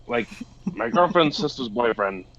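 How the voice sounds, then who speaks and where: A man's voice: a little high, very animated, measured pace, creaky, a bit bright, muffled recording. A man from Boston chatting casually on a podcast, swearing freely and laughing easily. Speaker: podcast co-host. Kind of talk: casual chat.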